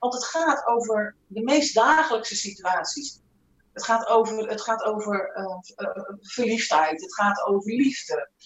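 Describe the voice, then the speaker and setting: At a fairly slow pace, a woman speaks with lively intonation and a fairly high pitch. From Netherlands, Zuid-Holland. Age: 50s. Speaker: teacher. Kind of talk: casual interview chat. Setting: video call. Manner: animated, halting with repetitions.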